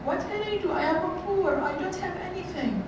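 Woman, middle-aged, high voice, motivational workshop talk, echoey conference room, far-off camera, noisy. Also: expressive, normal speed. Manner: earnest, repeats phrases, many fillers. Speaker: workshop speaker. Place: large hotel conference room.

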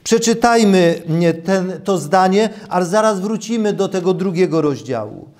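A man in his sixties preaching a sermon and reading scripture in a deliberate, emphatic way, repeating key phrases. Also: high voice, animated, a little mellow. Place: small church room, at a lectern.

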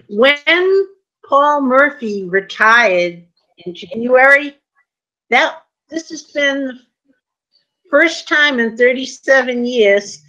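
A woman speaks over a failing video call, and her voice stutters and breaks up as the connection buffers. Every phrase is stretched out and very slow, with long gaps between words. The audio is muffled and lo-fi, and her pitch sits a little high. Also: pushed and bright. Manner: halting, drawn-out delivery with gaps between words. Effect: choppy, slowed, broken-up video-call audio that stutters and drops out. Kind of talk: remote meeting remarks.

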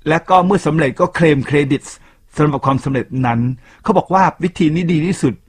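A man's voice: on the high side, fast, breathy edge. A man hosting a radio talk show, talking chattily to his listeners with frequent asides. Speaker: radio host.

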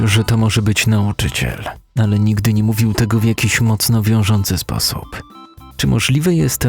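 A man narrating a dark first-person story as a dramatic, brooding audiobook reader. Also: lowish voice. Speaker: narrator (lektor).

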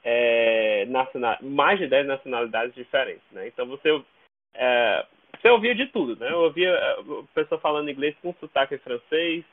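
A man's voice: mid-range voice, moderate pace. A Brazilian man chatting casually as an interview guest, often repeating words as he searches for the next. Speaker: podcast guest. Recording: narrow, tinny phone-like call audio.

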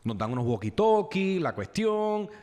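A man with a Puerto Rican accent, a guest telling a story in a casual, animated way and acting out the dialogue. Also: sits high, measured pace.

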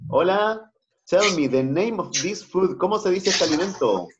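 A man's voice: high-pitched, animated, very noisy. Chilean male teacher on a video call. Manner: switches between slow English and Spanish explanations. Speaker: English teacher. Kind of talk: online class teaching. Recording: muffled video-call audio.

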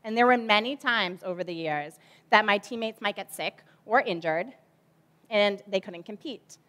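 A woman's voice: medium pitch, normal speed, fairly bright tone. A woman in her forties, a children's ministry director, giving a chatty object lesson sermon from a church stage with lots of fillers.

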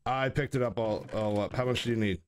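A man's voice: mid-range voice, brisk. Laid-back man giving brief replies. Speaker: host of a gaming channel. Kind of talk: casual gameplay chat.

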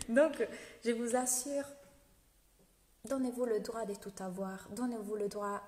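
A fairly high-voiced woman in her thirties speaks French with an Italian accent, chatting lively and laughing as she coaches her followers live. She talks into a phone held at arm's length at home. The room is echoey, with a long reverb trailing her words. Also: takes it slowly. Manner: lively, laughs often, greets viewers' comments. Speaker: business coach. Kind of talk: live video talk to followers.

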